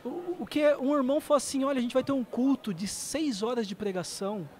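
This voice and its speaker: A man with a Brazilian Portuguese accent, a missionary guest on a podcast, telling his stories in an emotional, animated way. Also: very high voice, fairly quick. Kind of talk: podcast conversation.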